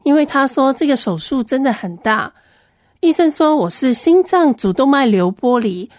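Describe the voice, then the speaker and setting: High-voiced woman. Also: sing-song, normal speed, a little mellow, dry recording, studio quality. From Hong Kong. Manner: earnest, plain storytelling. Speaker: Christian ministry worker giving a testimony. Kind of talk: personal testimony storytelling.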